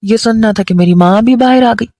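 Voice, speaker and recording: Mellow-voiced woman storyteller. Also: on the high side, brisk, dry recording. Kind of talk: scripted first-person story narration.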